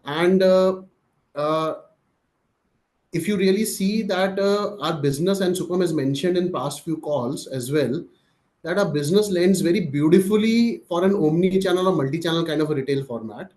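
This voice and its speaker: An Indian man presents as a company executive on an earnings call. His voice sits a little high for a man, and he explains things step by step, with pauses in the middle of sentences. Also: a little mellow.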